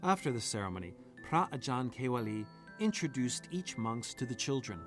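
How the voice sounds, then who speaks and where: A man giving plain, scripted documentary narration in an even storytelling tone. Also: medium pitch, normal speed, over music.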